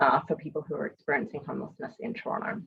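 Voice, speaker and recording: Her voice sits very deep and low in pitch. The woman sounds somewhat breathy. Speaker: city program manager. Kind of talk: presentation.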